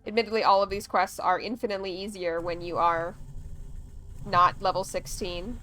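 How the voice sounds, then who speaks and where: A woman's voice: lowish voice, fairly even intonation, normal speed, pushed and bright, faint music behind. A woman chatting casually on a gaming livestream, rambling along with plenty of "like" and "um". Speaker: streamer.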